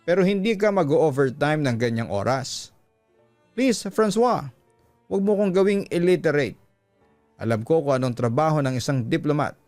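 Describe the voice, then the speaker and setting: A man's voice: on the high side, expressive, moderate pace, darkish tone, dry recording, lightly acted. Man voicing a jealous, sarcastic Filipino wife. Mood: sarcastic, suspicious. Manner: sarcastic, accusing, pointed. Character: jealous, sarcastic wife confronting her husband. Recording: music bed behind close dry voice.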